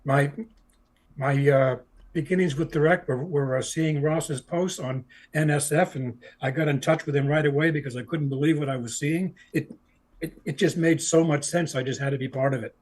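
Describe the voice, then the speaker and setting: Retired engineer, older guy, husky voice a bit high, earnest and stammery. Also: fairly even intonation, moderate pace, darkish tone. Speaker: retired structural engineer guest. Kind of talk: casual introduction.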